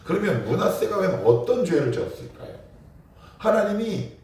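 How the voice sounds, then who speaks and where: A man, a pastor, preaching at a morning prayer service, animated and emphatic, with rhetorical questions to the congregation. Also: high voice, moderate pace. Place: church sanctuary. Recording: echoey church hall, mic at a distance.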